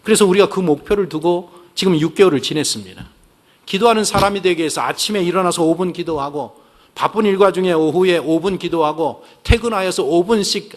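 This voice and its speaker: Male pastor preaching, kinda high voice, asks the crowd questions, gets them to repeat after him, goes soft then loud. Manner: preaching with call-and-response prompts to the congregation; rhetorical questions, swings between soft and emphatic. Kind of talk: sermon.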